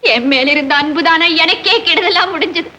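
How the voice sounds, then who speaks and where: An actress playing a devoted young heroine who speaks in pleading, emotional declarations, in 1960s film acting. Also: female voice, very high-pitched, moderate pace, pushed and bright, slight background noise. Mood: distressed.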